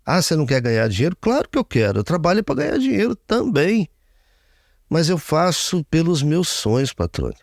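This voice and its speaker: A man's voice: on the high side, huge pitch swings, brisk, vocal fry, no echo, clean studio sound. A man in his fifties, a radio broadcaster, giving an earnest interview testimony and speaking often of his faith. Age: 50s.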